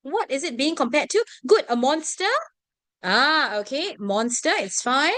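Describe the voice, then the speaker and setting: A woman's voice: high-pitched, a little slow, dry recording. A woman tutor with a Singaporean English accent, running an online revision class and checking in with her students after nearly every point. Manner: animated, constantly checking in with "right?" and "okay?". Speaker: tuition teacher.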